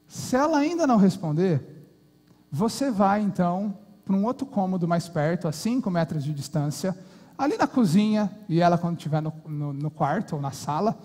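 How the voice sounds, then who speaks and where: A Brazilian man voicing a calm, polite doctor giving instructions and apologizing, in a reverberant hall. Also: high voice, normal speed, soft background music.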